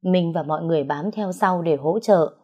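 A woman's voice: lowish voice, normal speed, darkish tone. A woman narrating a dramatic story and reading every character's lines herself with small shifts in her voice.

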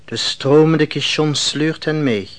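An actor playing a solemn biblical bard who recites a war song in declamatory, poetic phrases for a radio play. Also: male voice, on the high side, slow. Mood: rousing. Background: music.

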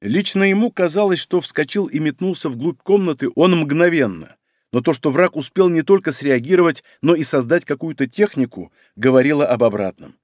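A male audiobook narrator tells an action story at an even pace, dropping in coarse slang without fuss. His voice sits a bit above the middle and sounds close, dry and untouched by any room. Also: fairly high pitch, normal speed, no echo.

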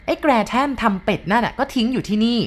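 Brash shrill wife, read out by a woman storyteller, loud and cutting. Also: sing-song, moderate pace. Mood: scolding. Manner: loud, shrill, sharp-tongued. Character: brash scolding middle-aged Thai wife.

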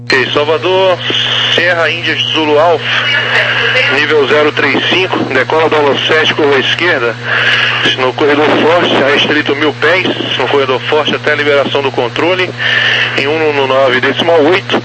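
A man with a Brazilian accent working as an air traffic controller, giving clipped procedural clearances over radio. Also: fairly high pitch, normal speed. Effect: aviation radio transmission. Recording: noisy humming aviation radio.

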